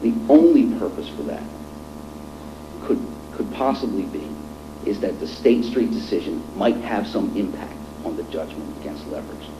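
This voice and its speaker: A man's voice: sits low, animated, moderate pace. A man speaking as a lawyer, making a formal oral argument in court. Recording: echoey courtroom with clear noise and hum.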